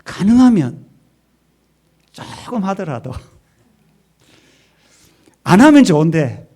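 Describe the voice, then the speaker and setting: A man's voice: high-pitched, big pitch swings, slow, dark tone. A male pastor preaching a Sunday sermon in a church, emphatic, asking rhetorical questions and leading the congregation to repeat after him. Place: church sanctuary.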